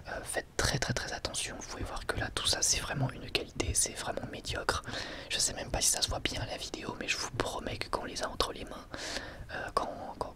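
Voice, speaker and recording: A man whispering informally and a little hesitantly to his viewers as an ASMR host, in a breathy, unvoiced whisper. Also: medium pitch. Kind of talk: whispered ASMR, casual product review.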